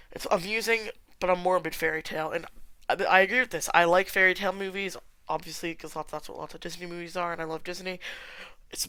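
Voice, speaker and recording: Podcast host, casual solo review, stuffy-nosed sick voice, opinionated, bright, close dry sound. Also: mid-range voice, smooth, dry recording. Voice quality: congested. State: sick with stuffy nose and sore throat.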